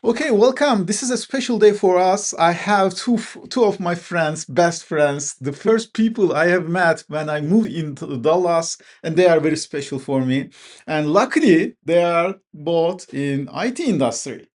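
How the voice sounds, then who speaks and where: A man's voice: fairly high pitch, moderate pace, a little mellow. A man hosting a casual interview, welcoming his guests and inviting them to introduce themselves. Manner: welcoming, brief backchannels. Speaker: host. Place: Dallas.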